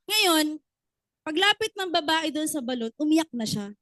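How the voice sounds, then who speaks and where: High-voiced woman coaching a live group. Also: lively intonation, normal speed, a bit bright, no room sound, low-quality recording. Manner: asks the audience questions, acts out little stories. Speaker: business trainer. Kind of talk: motivational training talk.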